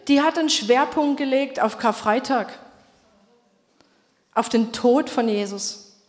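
A woman's voice: sits high, in a large hall. A woman preaching a sermon to her congregation, speaking emphatically and putting questions to her listeners. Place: church.

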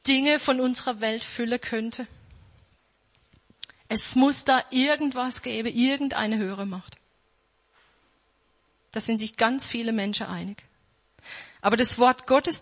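A woman preaching a sermon with emphatic repetition, slowing down to stress quoted verses. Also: sits high, fairly bright tone. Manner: emphatic, repeats key phrases, slows down for quoted verses. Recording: reverberant hall.

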